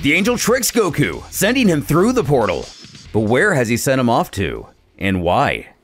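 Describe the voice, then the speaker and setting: Animated male story narrator over music. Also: mid-range voice, normal speed. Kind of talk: dramatic scripted story recap narration.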